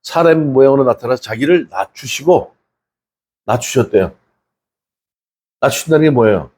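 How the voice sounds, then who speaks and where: A man's voice: mid-range voice, animated, moderate pace, darkish tone, slightly rough. A male pastor giving a conversational sermon, asking the congregation many rhetorical questions and acting out the people in his stories. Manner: acts out quoted people in a casual spoken tone.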